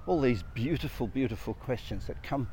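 A man's voice: mid-range voice, animated, normal speed, mellow. A man speaks in a mid-range voice, earnest and reflective as he talks about purpose and the soul. He piles up phrases and questions one after another. Faint traffic hums behind him. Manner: earnest, repetitive, builds lists of questions. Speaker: speaker on personal growth. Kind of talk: reflective spiritual talk.

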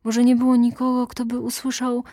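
A woman's voice: fairly high pitch, monotone, fairly quick, dark tone, no room sound, studio quality, pitched above the performer's own voice. A woman voicing a grieving young woman who pleads in tearful bursts and whispers, in an audiobook reading. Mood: pleading. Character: grieving young woman, Kurtz's fiancée, desperate.

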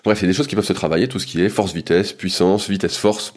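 A man's voice: low-pitched, steady tone, fast. A man, a strength coach, explaining training in a loose, casual way with frequent hesitations and fillers.

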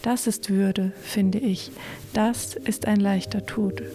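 A woman playing an earnest, solemn thinker in a deliberate radio play monologue. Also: mid-range voice, fairly even intonation. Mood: grave. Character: earnest woman musing on death and dignity.

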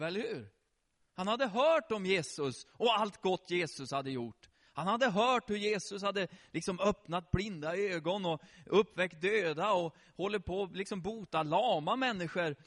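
Lively preacher guy telling a bible story to kids, high bright voice, keeps asking them stuff. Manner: animated, asks the children questions. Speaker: children's preacher.

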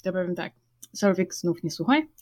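A woman's voice: lowish voice, expressive, normal speed. A woman, a tabletop player, musing over her character's ending in casual chat, searching for words as she goes. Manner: thoughtful, rambling, searching for words.

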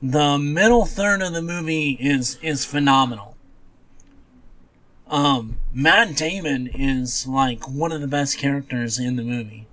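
A man co-hosting a podcast in casual movie chat, often pausing and correcting himself as he goes. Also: mid-range voice, fairly bright tone, low-quality recording. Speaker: podcast co-host.

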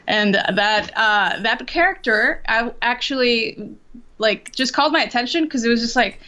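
A woman's voice: fairly high pitch, moderate pace, bright, forceful tone. A young woman from Costa Rica, chatting casually as an interview guest over a video call, full of fillers and restarts. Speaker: interview guest, Twitch drummer.

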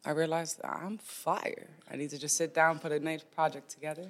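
A woman with a deep, raspy voice, chatting as a guest on a podcast in a laid-back, self-assured way. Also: steady tone, normal speed, a little hiss or hum. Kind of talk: casual conversation.

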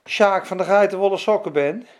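A man's voice: high voice, brisk, slight background noise. A man preaching a sermon, retelling scripture in a fervent, conversational way with casual asides.

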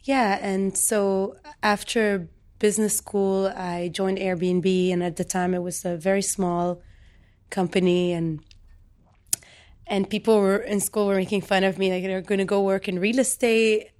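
Soft-spoken reflective woman from Lebanon. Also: mid-range voice, little pitch movement, unhurried. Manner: soft-spoken and thoughtful, with frequent "um"s. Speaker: poet and guest. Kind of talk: reflective interview talk.

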